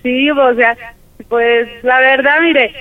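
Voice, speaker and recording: A woman's voice: high-pitched, fairly even intonation, takes it slowly, dry recording. A woman, rambling shyly with many fillers on the phone. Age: 40s. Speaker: caller on the phone. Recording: tinny phone line.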